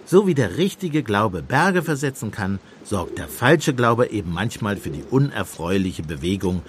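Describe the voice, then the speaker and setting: An actor playing a shrewd, compassionate priest detective in a radio play, speaking in a measured, persuasive pastoral manner. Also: male voice, fairly low pitch, very animated, slight background noise. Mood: wry. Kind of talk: German radio play acting.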